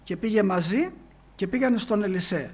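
A man preaching in a storytelling way, reading old scripture verses slowly and then explaining them in everyday speech, with many "he says" asides. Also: high-pitched, expressive, breathy edge. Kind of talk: sermon retelling a Bible story.

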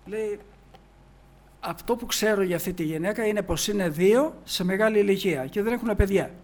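A man preaching in a storytelling way, reading old scripture verses slowly and then explaining them in everyday speech, with many "he says" asides. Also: sits high. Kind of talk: sermon retelling a Bible story.

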